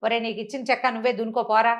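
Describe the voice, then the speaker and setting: An indignant, bossy landlord from a village folk tale, as a woman narrator acts him out. He makes scornful demands in a rapid rush of words. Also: on the high side, flat delivery, natural voice.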